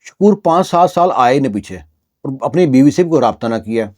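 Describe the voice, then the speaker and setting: Mellow-voiced male storyteller. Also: medium pitch, expressive. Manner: conversational, repeats fillers. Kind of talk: spoken storytelling narration.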